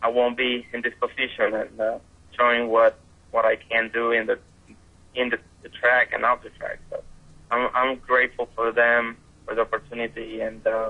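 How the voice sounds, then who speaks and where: A man with a Puerto Rican accent keeps a moderate pace, broken by long, frequent pauses. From Puerto Rico. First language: Spanish. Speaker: racing driver. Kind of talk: interview. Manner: halting.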